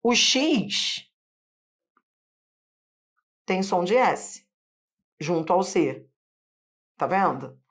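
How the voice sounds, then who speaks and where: A woman's voice: on the low side, very animated, drawn-out words, pauses often. A woman teacher with a Carioca accent from Rio, patiently explaining a phonetics lesson step by step. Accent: Carioca Brazilian Portuguese. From Rio de Janeiro. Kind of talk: online phonetics lesson at a board.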